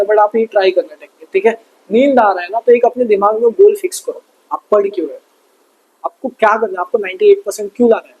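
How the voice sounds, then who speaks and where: A young man with a high, husky voice gives exam revision tips to students. He talks in a fatherly, encouraging way and often goes back over the same advice. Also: darkish tone, poor audio. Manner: fatherly, calls viewers "beta", repeats advice. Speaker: study tips presenter. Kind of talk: motivational study advice talk.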